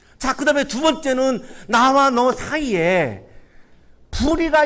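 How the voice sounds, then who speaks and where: The man talks at an extremely high pitch. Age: 60s. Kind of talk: sermon. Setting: church. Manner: animated.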